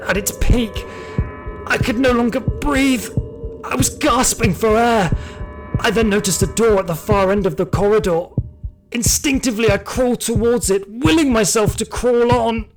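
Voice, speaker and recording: Man playing an anguished, high-voiced wounded security guard. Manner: intense, anguished, theatrical. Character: terrified wounded male security guard recounting his ordeal. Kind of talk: dramatic first-person audio drama narration. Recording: loud music behind the voice.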